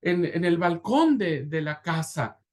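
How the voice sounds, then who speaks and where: A man voicing a frightened little boy trapped in a fire, in a pleading, high childlike voice during a preaching class. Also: big pitch swings, slow pace.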